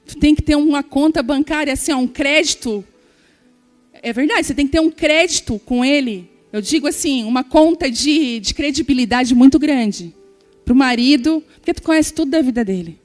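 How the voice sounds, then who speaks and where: A woman's voice: high-pitched, normal speed, faint music behind. A woman preaching a sermon, telling a personal story and acting out the dialogue as she speaks to the congregation. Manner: storytelling, acting out dialogue, addressing the audience directly.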